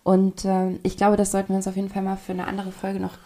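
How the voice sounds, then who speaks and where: A woman's voice: medium pitch, completely flat delivery, fast talker, mellow. A woman co-hosting a podcast, talking casually and explaining emphatically with rhetorical questions. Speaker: podcast co-host. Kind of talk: casual conversational podcast talk.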